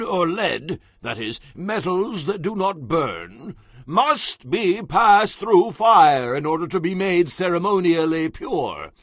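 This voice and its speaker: An actor playing a solemn priest who gives ritual law in a dramatized audio Bible, deliberate and ceremonial in delivery. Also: male voice, high voice, a bit bright, dry recording, studio quality, full character voice. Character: Eleazar, solemn male priest instructing soldiers in ritual law.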